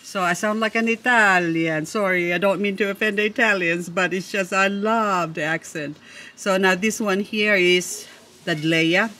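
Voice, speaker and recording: A woman's voice: mid-range voice, fairly even intonation, normal speed, pushed and bright. A woman vlogger chatting casually about her plants, gushing and admiring, with a playful, chatty way of talking. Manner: playful, jokes with herself. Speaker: succulent-growing vlogger. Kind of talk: casual show-and-tell chat.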